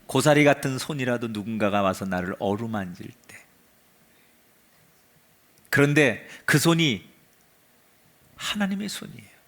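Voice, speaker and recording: A man preaching a sermon in a church as pastor, swinging from a raised voice to hushed murmurs and leading the congregation in call-and-response. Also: mid-range voice.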